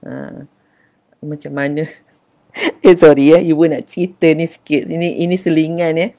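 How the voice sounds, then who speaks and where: Low-voiced older woman. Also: fairly even intonation, normal speed, warm tone. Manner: affectionate, addresses listeners as dear. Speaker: parenting speaker. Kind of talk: casual parenting talk.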